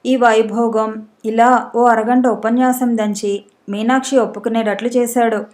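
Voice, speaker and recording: A woman's voice: on the high side, mellow. A woman narrating a storybook and reading the characters' dialogue with some expression. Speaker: audiobook narrator.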